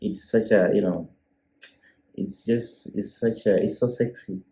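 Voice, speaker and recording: A man's voice: on the low side, measured pace, warm tone. A man with a Kenyan accent, a business owner chatting easily as a guest, with hesitant restarts. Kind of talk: casual interview chat. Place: room in Kenya. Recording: echoey room.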